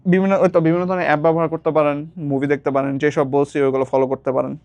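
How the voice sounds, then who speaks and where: A man's voice: a little high, level tone, rapid-fire, darkish tone, no room sound. A young man, casually giving a speaking lesson as a tutor and slipping English phrases into his explanations. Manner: mixes English phrases into his talk, repeats words while explaining.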